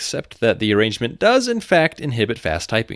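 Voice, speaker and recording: A man's medium-pitched voice with a General American accent, very wide pitch swings, vocal fry and a fairly quick pace, in a dry, close sound with no echo. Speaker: podcast host. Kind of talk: scripted narration.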